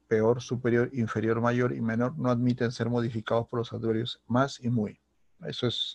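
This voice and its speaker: A man's voice: medium pitch, creaky, darkish tone, husky, no echo, muffled recording. A Peruvian man teaching a recorded grammar lesson, who keeps checking in with the student and restarts his phrases often. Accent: Peruvian Spanish. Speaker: secondary school teacher.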